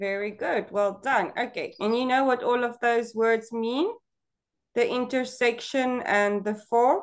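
Using fairly even intonation, a woman speaks at a high pitch. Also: quiet background. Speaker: English tutor. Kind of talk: online English lesson. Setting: video call. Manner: slow, patient. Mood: encouraging, patient. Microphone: video call.

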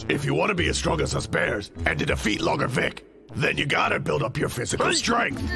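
A raspy, cartoonish character voice moves at a fairly quick pace. Clear music plays in the background. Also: man, medium pitch for a man. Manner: confident, brotherly.

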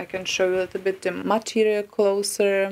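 Someone with a Czech accent speaks at a moderate pace over light background noise. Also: woman. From Czech Republic. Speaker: fashion vlogger. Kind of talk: try-on haul vlog. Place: home room. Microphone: phone near.

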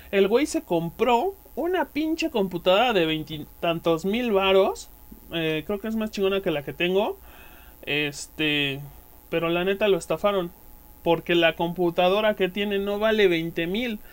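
A man with a Mexican accent talks at a fairly slow pace. His voice is high-pitched, with lively intonation. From Mexico. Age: 20s. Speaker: gaming youtuber. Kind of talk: casual vlog. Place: home room.

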